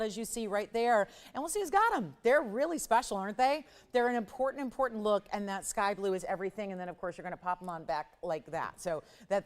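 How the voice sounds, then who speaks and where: A woman hosts a live jewelry sales show with a sniffly, slightly scratchy cold in her voice. She talks in a chatty, upbeat way, repeating words for emphasis as she counts prices down. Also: mid-range voice. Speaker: shopping channel host.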